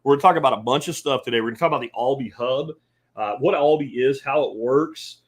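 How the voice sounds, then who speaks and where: A middle-aged man from central Pennsylvania hosts a podcast in a mid-range voice, talking at a quick pace. His manner is casual, folksy and emphatic, and he includes sponsor reads.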